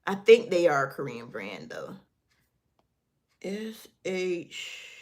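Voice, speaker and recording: A woman's voice: extremely low pitch, very animated, normal speed. A young woman, chatting casually and rambling through a skincare product review, laughing at herself. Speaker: beauty vlogger.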